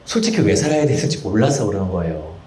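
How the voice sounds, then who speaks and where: A man's voice: on the low side, big pitch swings, quick pace, mellow, echoey room, slight background noise, pitched below the performer's own voice. A man acting out a despairing young adult son who speaks in a subdued, resigned way.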